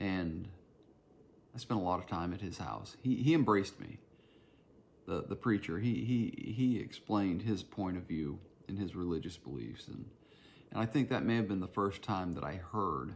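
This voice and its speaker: A man's very deep, low voice with vocal fry, lively intonation and long, frequent pauses. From northern US, moved to Georgia as a child. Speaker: podcast host. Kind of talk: casual solo podcast monologue. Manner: rambling, hesitant with fillers.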